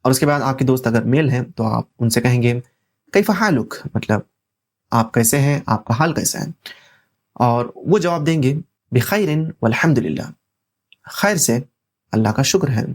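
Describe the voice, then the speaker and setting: A teacher with a South Asian accent and a medium-pitched voice leads a language lesson. Each phrase is said deliberately, repeated, and then translated step by step. The delivery is plainly instructional, recorded on a lavalier microphone. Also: expressive.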